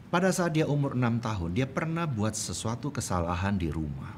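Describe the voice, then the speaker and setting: A middle-aged male pastor delivering a sermon in a lively, rising-and-falling voice of middle pitch. He tells personal stories and builds to fervent emphasis. A faint low rumble sits under the recording. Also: fairly quick. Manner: storytelling, swelling to fervent emphasis.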